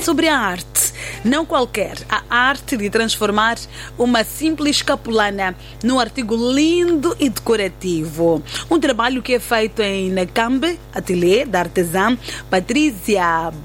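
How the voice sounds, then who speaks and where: A Mozambican woman with a Portuguese accent of her country, hosting a chatty live studio interview in an effusive, exclaiming manner. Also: medium pitch. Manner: effusive, exclaiming, repeats the guest's answers. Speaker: radio host interviewing a guest. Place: radio studio.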